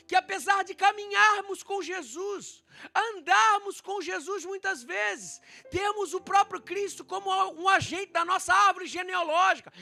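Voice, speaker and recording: Preaching directly to his congregation, a Brazilian Portuguese-accented pastor dramatizes the scripture dialogue, his volume swinging loudly. He has an extremely high-pitched voice edged with vocal fry.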